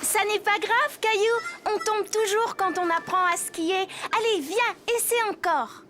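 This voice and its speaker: A woman's voice: extremely high pitch, unhurried, bright, forceful tone, faint music behind, exaggerated voice. A woman voicing a friendly, encouraging little girl in a children's cartoon.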